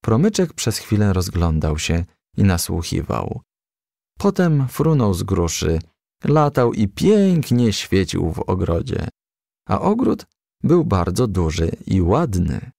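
A man narrating a children's storybook as a gentle, lively storyteller. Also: low voice, slow, creaky, dry recording, studio quality.

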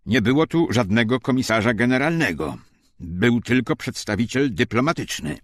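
A man's voice: mid-range voice, lively intonation, moderate pace, no echo, studio quality, pitched above the performer's own voice, natural voice. Man playing a haughty, raised-voice Nazi interrogator. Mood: mocking menace. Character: haughty, mocking Nazi official interrogating prisoners.

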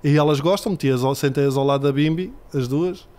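Fast-talking man telling family anecdotes. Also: a little high. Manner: animated storytelling, imitating his daughters' voices. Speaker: podcast guest. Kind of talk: casual podcast chat.

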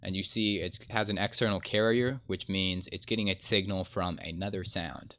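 A man's voice: deep voice, fairly even intonation, normal speed, no room sound. A man in his twenties giving a casual, laid-back music production tutorial in an informal, colloquial way. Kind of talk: casual screen-share tutorial. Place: indoor room at a computer desk. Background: loud electronic synth sounds.

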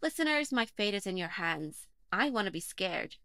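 A woman in an audio play as a chatty, wry podcast host, talking at a middling pitch. The sound is close and dry, with no room around her. She brushes off suggestions with quick, dry remarks. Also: big pitch swings, fairly bright tone, no echo.

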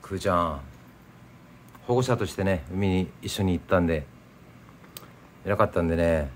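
A middle-aged man with a Nagasaki accent talks in an easygoing, chatty way over food and drink at home. His voice sits fairly low, and a faint hum of room sound stays behind it. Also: normal speed. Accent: Nagasaki dialect. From Nagasaki, Japan. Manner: easygoing, chatty, explains local words. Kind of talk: casual chat while eating and drinking.

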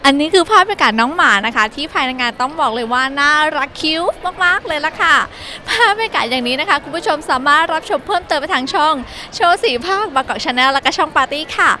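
A woman's voice: sits high, animated, fast talker, few pauses, bright, forceful tone, slight background noise. A young woman reporting bubbly and upbeat from a busy indoor expo hall into a handheld mic. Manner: upbeat, bubbly presenter chatter. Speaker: entertainment show reporter. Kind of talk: on-location event report.

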